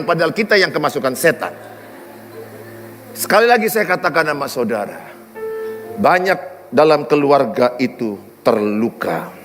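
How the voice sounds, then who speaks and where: A man's voice: fairly high pitch, big-room sound. Man, pastor, humorous sermon, swooping voice, faint music behind. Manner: animated, humorous storytelling. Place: large church hall.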